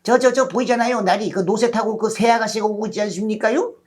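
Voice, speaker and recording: A woman's voice: a little high, quick pace, darkish tone, close to an everyday voice. A woman voicing Sancho, a knight's loyal, wheedling manservant in a storybook reading, pleading with servile rustic politeness. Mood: urgent, coaxing. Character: wheedling, loyal male squire of a deluded knight.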